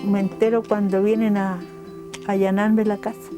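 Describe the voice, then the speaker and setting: A woman's voice: mid-range voice, level tone, moderate pace, music in the background. An older woman with a Chilean accent gives a heartfelt documentary testimony, acting out the dialogue as she tells it. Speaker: mother of a political prisoner.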